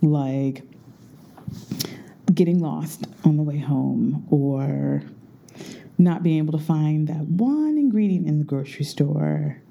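A woman's voice: deep voice, animated, takes it slowly, vocal fry, long pauses, dark tone, lo-fi sound. A jet-lagged woman chatting casually and rambling to her viewers from her bedroom while recording under a blanket, which muffles her voice. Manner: chatty, rambling, self-correcting. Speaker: vlogger.

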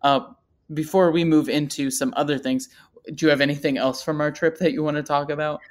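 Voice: medium pitch, fairly even intonation, a little fast. A podcast co-host chatting casually, rambling through a story and joking at their own expense. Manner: rambling, self-deprecating humor. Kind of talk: casual chat.

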